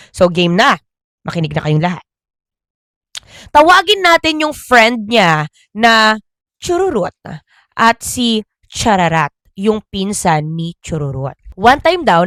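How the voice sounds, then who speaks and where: A woman vlogger telling a gossip story in a casual, animated way, speaking directly to her listeners. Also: medium pitch, dry recording, clean studio sound.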